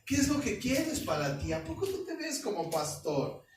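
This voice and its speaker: A man's voice: very high voice, very animated, normal speed, faint music behind, pitched above the performer's own voice, full character voice. A man with a Mexican accent voicing a condescending employer who quizzes a young job applicant with patronizing questions. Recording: echoey church hall, mic at a distance.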